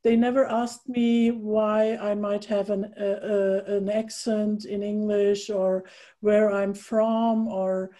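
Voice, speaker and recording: Slow, mellow-voiced German woman. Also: mid-range voice, little pitch movement. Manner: slow, thoughtful, many pauses and fillers. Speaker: interviewer host. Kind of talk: casual video interview.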